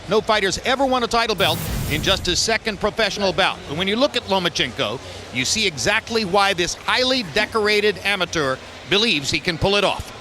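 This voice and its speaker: A man calling a boxing broadcast as play-by-play commentator, in a measured, formal announcer delivery. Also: high-pitched, bright, forceful tone, a little hiss or hum.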